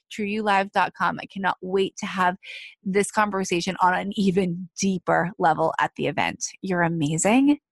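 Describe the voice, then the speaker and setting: A woman's voice: fairly low pitch, no echo. A woman life coach with a slightly nasal voice, giving an encouraging motivational talk to listeners she calls friends. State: a little nasal. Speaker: life coach and podcast host.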